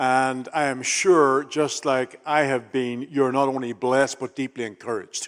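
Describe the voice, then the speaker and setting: The speaker has a Northern Irish accent and fairly even intonation. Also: man. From Northern Ireland, Belfast. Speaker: missionary leader. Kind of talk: sermon.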